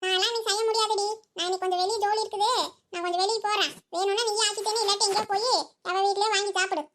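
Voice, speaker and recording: A woman voicing a sharp-tongued old village mother-in-law in a cartoon, who scolds and teases with quick retorts. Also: very high voice, fairly even intonation. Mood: scolding. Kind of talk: cartoon voice acting.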